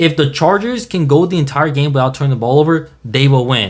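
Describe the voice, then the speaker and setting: Speaking at a moderate pace, a man with a fairly high pitch and a somewhat breathy voice uses lively intonation. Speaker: sports YouTuber. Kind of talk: casual commentary.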